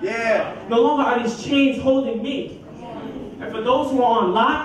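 Noticeable background noise and audible room echo around a man with an extremely high pitch. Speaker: spoken word poet. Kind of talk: spoken word poetry performance with religious content. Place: church.

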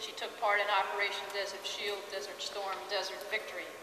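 Someone speaks with an American accent at a moderate pace. There is audible room echo and light background noise. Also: woman. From upstate New York. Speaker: master of ceremonies and army veteran. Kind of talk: moderated panel interview. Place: hall. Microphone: podium.

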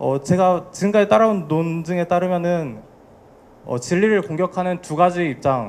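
The man's voice is high-pitched, and he talks at a moderate pace. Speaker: university student; audience member. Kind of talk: audience question. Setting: auditorium audience mic. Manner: halting, apologetic. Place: hall. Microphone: handheld.

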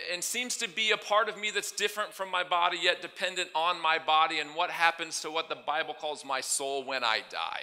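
A man speaks at a fairly quick pace with ordinary pitch variation against a quiet background. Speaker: pastor. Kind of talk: sermon. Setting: church. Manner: animated. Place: church. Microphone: headset.

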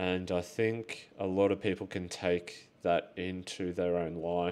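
A man does the talking. His voice sits very deep and low. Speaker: runner vlogger. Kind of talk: casual vlog chat. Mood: reflective, upbeat. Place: home room. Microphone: lapel.

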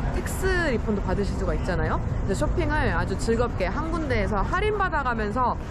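Over crowd noise in the background, a woman speaks at a fairly quick pace. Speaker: travel vlogger. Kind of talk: casual vlog chat. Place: street. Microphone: phone near.

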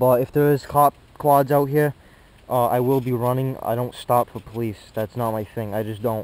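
The man speaks at a moderate pace with fairly even intonation in a dry sound with no echo. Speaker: ATV rider vlogger. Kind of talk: casual vlog chat. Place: forest. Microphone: phone near.

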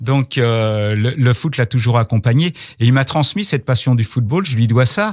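Against a quiet background, a man speaks at a fairly slow pace with very even loudness and ordinary pitch variation. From Paris, France. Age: 60s. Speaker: author and former sports journalist; former sports journalist. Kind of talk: radio interview. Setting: radio studio. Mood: calm, reflective family memories. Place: studio. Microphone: studio mic.

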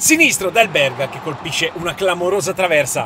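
Over crowd noise in the background, a man talks in an energetic tone at a fairly quick pace. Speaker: football commentator. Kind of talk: football match highlights commentary, recap voiceover. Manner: fast, energetic play-by-play delivery.

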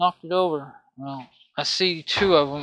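A man speaks with a Texan accent at a fairly high pitch, with ordinary pitch variation and a bright, sharp tone. The sound is dry with no echo, against a quiet background. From Texas. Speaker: DIY video maker. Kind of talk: appliance repair tutorial. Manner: rambling, thinking aloud. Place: home room.

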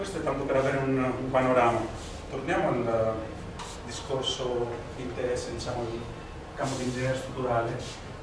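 Long, frequent pauses break up a man's speech, delivered with fairly even intonation. There is noticeable background noise and audible room echo. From Greece. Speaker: structural engineer. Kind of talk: lecture. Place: classroom. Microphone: camera far.

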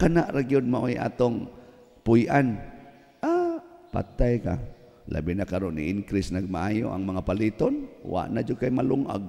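Speaking at a fairly slow pace, a man with a medium pitch sounds animated, his intonation lively. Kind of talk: preacher homily with mix of gospel reading. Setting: church. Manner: animated, conversational, joking, rhetorical questions. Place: church. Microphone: podium.

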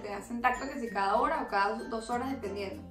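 A woman at a very fast pace, with clear music in the background. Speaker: new mother vlogger. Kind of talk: casual vlog chat, storytelling. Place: home room. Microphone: camera far.

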